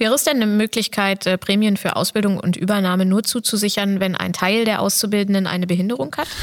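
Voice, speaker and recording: A woman talks at a very fast pace with hardly any pauses. Her pitch is medium, her intonation fairly even, and her loudness very even. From Lower Saxony. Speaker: podcast host. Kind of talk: interview.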